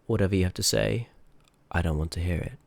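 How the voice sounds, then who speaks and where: A man's voice: deep voice, fast talker, vocal fry, darkish tone, dry recording. A man voicing a rude, sarcastic, reluctant sorcerer of a haunted house in a scripted ASMR roleplay, grumbling and dismissive, close on the microphone. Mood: irritated.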